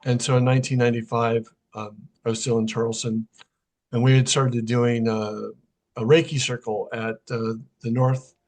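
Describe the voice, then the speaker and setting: A middle-aged man's voice, mid-range and a little mellow, holds a level tone at normal speed. He's a sound healer on a podcast, casually telling a personal story and relaying events through quoted dialogue.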